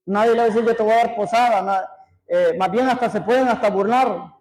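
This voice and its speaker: A man preaching a sermon, reading scripture slowly and breaking off for conversational asides to the congregation. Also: sits high, darkish tone, low-quality recording. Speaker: pastor.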